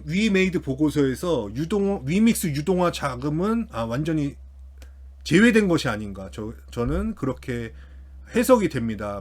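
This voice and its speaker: A man's voice: on the high side, darkish tone. A man hosting a finance commentary, talking through an analysis unscripted and hesitantly, often repeating and restarting his phrases. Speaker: host of a finance commentary channel.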